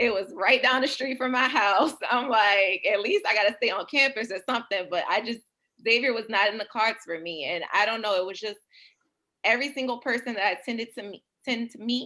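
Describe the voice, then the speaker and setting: Against a quiet background, a woman with a New Orleans accent speaks fairly quickly in a bright, sharp tone, fairly high in pitch, with ordinary pitch variation. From New Orleans, Louisiana. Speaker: doctor, former pageant queen. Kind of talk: panel discussion.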